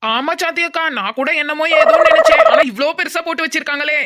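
A woman voicing a bold, scheming village girl in a cartoon dub, loud and bossy. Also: sits high, fast talker, very noisy, natural voice. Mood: bossy, cheerful.

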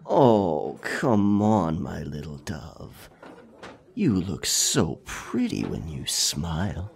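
A man playing a creepy, possessive café customer in an audio drama, leering and oily with a raspy voice. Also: deep voice, huge pitch swings, drawn-out words, a little hiss or hum, full character voice. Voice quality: husky, raspy. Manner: oily, insinuating.

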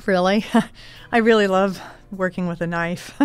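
A woman playing a sweetly awkward secret bounty hunter in an improvised radio drama, speaking politely and haltingly. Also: medium pitch, clean tone, natural voice. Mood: probing, uneasy.

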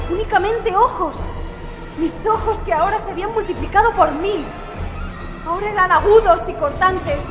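A woman narrating a first-person horror story in a theatrical, intense, dramatic manner. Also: very high voice. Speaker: audiobook narrator. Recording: echoey long reverb, music behind. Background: music.

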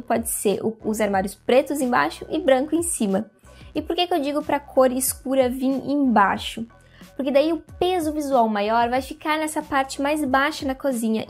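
A young woman hosting an interior design video, talking casually to the camera on a lapel mic in a room, with lots of hand gestures. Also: high voice. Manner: chatty, animated hand gestures, addresses viewers directly. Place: indoor room with curtains and plants.

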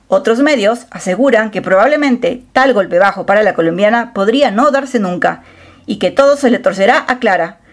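A woman reading a scripted celebrity gossip news voice-over in a dramatic, storytelling manner on a close mic. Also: medium pitch. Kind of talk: scripted narration.

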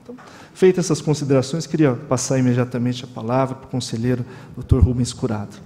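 A man's voice: medium pitch, steady tone, quick pace, mellow, slight background noise. A man in his forties from Brazil giving formal, explanatory remarks as moderator at a panel table. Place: conference room with panel table. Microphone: table microphone. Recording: long hall reverb.

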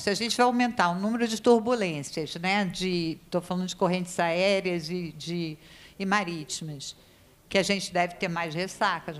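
A woman speaks in a legislative hearing room. She talks in an emphatic, worried way, thinking aloud and restarting sentences. She shivers from the cold as she speaks. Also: fairly low pitch. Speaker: committee member questioning experts. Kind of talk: spontaneous committee speech.

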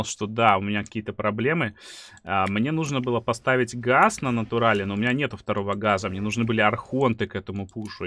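A man's voice: fairly low pitch, slight background noise. Man giving emphatic gaming play-by-play. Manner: animated, emphatic, often repeating phrases. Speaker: gaming streamer. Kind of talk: excited play-by-play game commentary. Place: small dim room indoors.

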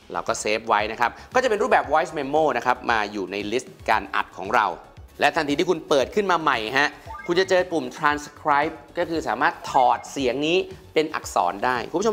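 A middle-aged man hosting a casual phone review, animated and exclamatory, speaking straight to his viewers. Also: a little high. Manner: animated, exclaims often, addresses viewers directly. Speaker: tech reviewer host.

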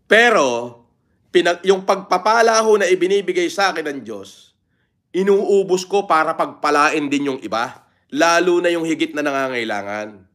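A man's voice: a little high, a bit bright. A middle-aged man talking bluntly on a casual livestream, swearing openly and reading out viewer comments. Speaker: livestream vlogger.

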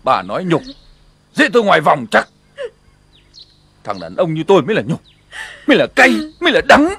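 Gravelly, bitter village husband. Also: male voice, a little high, sing-song, moderate pace, fairly bright tone, dry recording, heavily acted. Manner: harsh, gravelly, barking commands. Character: bitter, domineering village husband, older man. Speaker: husband in a TV drama. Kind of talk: TV drama acting.

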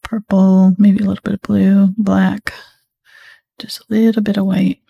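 A woman teaching a live painting tutorial, talking mostly in a soft whisper as she paints. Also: mid-range voice, little pitch movement, measured pace, gravelly, slightly rough, lo-fi sound. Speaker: painting instructor.

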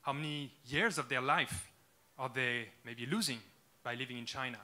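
A man in his thirties with a French accent, giving an earnest startup pitch on a conference stage into a handheld mic, with frequent "uh" fillers. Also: normal speed, pushed and bright. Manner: earnest, eager, with many "uh" fillers. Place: large dark conference stage with audience.

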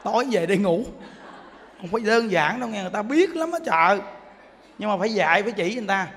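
A man's voice: high voice, expressive, fast talker, fairly bright tone. A man giving a humorous Buddhist sermon, telling stories and imitating animal sounds. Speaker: Buddhist monk teacher. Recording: long hall reverb.

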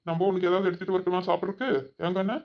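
A man's voice: sits high, monotone, rapid-fire. A man voicing a doting, protective village brother in a cartoon, soothing and fussing with repeated endearments. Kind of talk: cartoon voice acting. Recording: dull lo-fi audio.

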